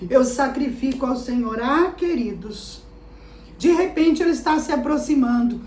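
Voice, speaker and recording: Older woman pastor, high voice. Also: animated, normal speed, reverberant, a little hiss or hum. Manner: dramatic storytelling, swings between soft and emphatic. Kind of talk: sermon.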